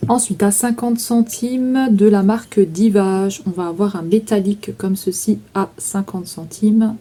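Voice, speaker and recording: A woman's voice: medium pitch, warm tone. A woman chatting casually through a makeup declutter, with frequent fillers, stumbling over English names. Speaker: vlogger selling makeup. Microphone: phone.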